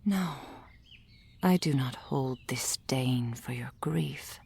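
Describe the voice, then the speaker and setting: A woman voicing a gentle female soul healer in an ASMR roleplay, whispering softly and soothingly into a close microphone. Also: rumbling low, slight background noise, full character voice. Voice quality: breathy whisper. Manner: soft whispering, slow and soothing. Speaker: ASMR performer.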